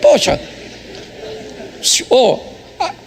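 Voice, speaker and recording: A man's voice: drawn-out words, slight background noise. A middle-aged man with a Brazilian Portuguese accent, preaching a humorous sermon in church, teasing the congregation. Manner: joking, teasing, acts out quotes. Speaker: pastor.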